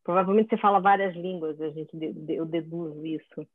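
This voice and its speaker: A woman's voice: deep voice, fairly even intonation, brisk, no room sound, narrow, tinny audio. A woman chatting in a conversation, thinking aloud as she talks.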